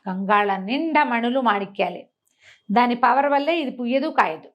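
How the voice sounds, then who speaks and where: A woman's voice: fairly high pitch, animated, normal speed, highs cut off. A woman tells a folk tale conversationally, repeating phrases and slipping in small explanatory asides. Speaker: storyteller.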